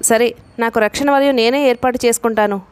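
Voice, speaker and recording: A woman's voice: fairly high pitch, fairly even intonation, fairly quick, clean tone, no echo, lightly acted. A woman voicing a worried, scheming middle-aged man while reading a novel aloud, in a tense, guarded tone.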